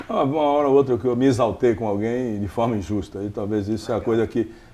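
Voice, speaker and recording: A man with an unremarkable speaking voice talks at a fairly quick pace, his medium pitch moving with ordinary variation. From Bahia interior, Brazil. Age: 60s. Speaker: politician. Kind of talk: interview.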